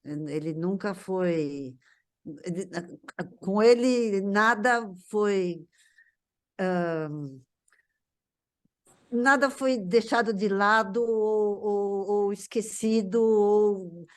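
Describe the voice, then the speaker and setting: A Brazilian woman reminisces as a guest in an informal conversation. Her pitch is average and her pace slow, with halting phrases and words repeated for emphasis. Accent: Brazilian Portuguese. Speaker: guest, daughter of the honoree. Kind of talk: casual reminiscing. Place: online video call.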